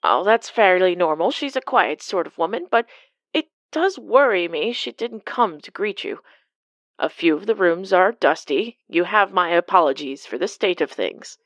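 A woman's voice: on the low side, animated, moderate pace, fairly bright tone, dry recording. A woman voicing a polite, worried lady in an amateur audio drama. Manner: courteous, apologetic. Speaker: client on the phone.

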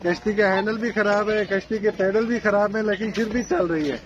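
A man's voice: sits high, fairly even intonation, fairly quick. A young man, vlogging at an outdoor park and coaxing his child along in a playful, encouraging way. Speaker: vlogger father. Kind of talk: casual vlog chat. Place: outdoor amusement park by a lake. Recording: muffled outdoor recording with noise.

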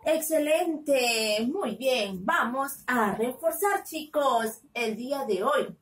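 A woman teaching kindergarten, dictating sentences slowly, syllable by syllable, in a sing-song voice. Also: fairly high pitch, animated, fairly bright tone. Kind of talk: slow, sing-song class lesson for small children. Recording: echoey room, slightly distant from the mic.

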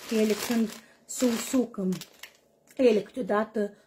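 A woman's voice: a little high, fairly even intonation, warm tone, slight background noise. A woman hosting a home cooking channel, chatting casually as she shows a herbal tea, often asking herself questions aloud and answering them. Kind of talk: casual kitchen demonstration.

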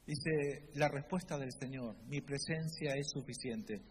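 A man's voice: mid-range voice, a little slow, slight background noise. A man from preaching a sermon, emphatic and repeating key phrases as he quotes scripture with feeling. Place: church. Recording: reverberant church hall with faint ambience.

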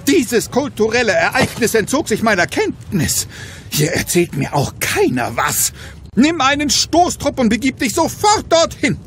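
A man's voice: very high-pitched, very animated, unhurried, a bit bright, slight background noise, full character voice. A man playing a bored, imperious Roman general who loves music, florid and theatrical, in a comic audio drama.

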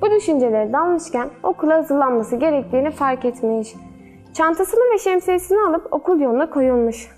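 A woman storyteller reading a children's fairy tale in a gentle, measured way. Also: sits high, lively intonation, soft background music.

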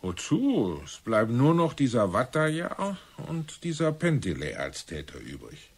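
Husky, animated police commissioner. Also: male voice, mid-range voice, heavily acted. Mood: rueful, pondering. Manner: deliberate, dramatic reasoning with emphatic swings. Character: male police commissioner, theorizing, theatrical, probing. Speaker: actor. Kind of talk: German radio crime drama acting.

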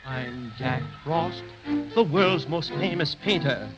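A man's voice: a little high, takes it slowly. A man singing as a boastful, shivering winter spirit in a theatrical comic 1930s radio style. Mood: boastful, chilly. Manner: sing-song, theatrical. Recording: muffled 1930s radio recording. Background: loud music.

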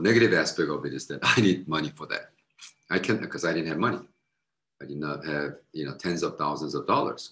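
A middle-aged man, a missionary, giving a frank recorded slide lecture from a room on his webcam, repeating words and jumping up in pitch for quoted voices. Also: pushed and bright, echoey room. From United States.

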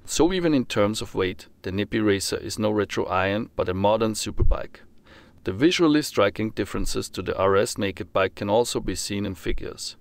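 A man with a low, gravelly voice delivers a scripted voice-over. His reading is steady and formal, and he moves through technical figures in an even, measured way. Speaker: motorcycle reviewer.

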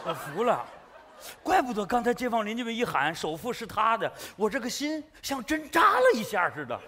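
A whiny, high-voiced son-in-law. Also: male voice, very animated, normal speed, bright, forceful tone, a little hiss or hum, exaggerated voice. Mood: teasing. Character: flustered younger son-in-law who has lost his fortune. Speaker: sitcom actor. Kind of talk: sitcom stage comedy.

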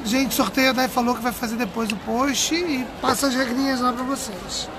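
A woman's voice: on the high side, normal speed. A Brazilian woman hosting a casual live stream in a chatty, teasing way. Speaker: livestream host relaying viewer comments at a craft fair. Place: busy indoor craft fair hall. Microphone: handheld phone, behind the camera. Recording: loud trade fair crowd and noise.

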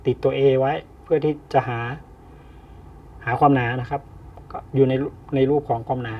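A man teaching an engineering problem step by step, pausing often with fillers as he explains. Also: medium pitch, fairly even intonation. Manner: slow, explains with many pauses and fillers. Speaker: engineering tutor. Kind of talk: step-by-step lecture. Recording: distant, dull lo-fi mic.

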